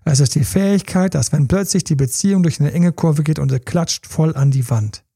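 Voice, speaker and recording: A man's voice: on the high side, normal speed, creaky, mellow, breathy edge, dry recording, clean studio sound. A man giving relationship coaching in a podcast monologue, talking straight to his listeners in a direct, informal way.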